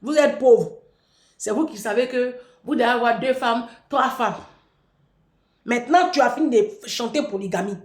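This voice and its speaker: Mocking woman, high, echoey. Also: moderate pace. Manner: taunting, repetitive, provocative. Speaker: vlogger. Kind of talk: mocking monologue to camera. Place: room in France. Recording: echoey room.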